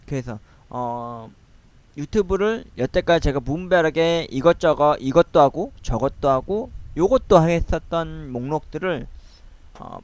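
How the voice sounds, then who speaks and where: A man with a fairly high voice talks alone at his home computer in a loose, casual monologue. He rambles and hesitates, filling pauses with long drawn-out fillers. He records on a cheap desktop microphone. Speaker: vlogger.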